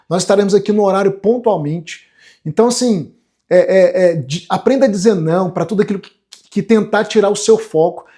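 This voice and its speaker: A man's voice: high voice, darkish tone. A Brazilian man in his forties giving a motivational online class as a coach, speaking earnestly and emphatically and often checking for agreement. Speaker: self-development coach hosting an online class. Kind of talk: motivational live lecture to viewers.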